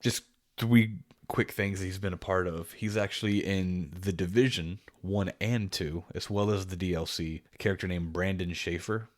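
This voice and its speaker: Low-voiced man rambling about a game. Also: moderate pace. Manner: rambling, animated, trails off and restarts. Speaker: podcast co-host. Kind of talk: casual gaming podcast chat.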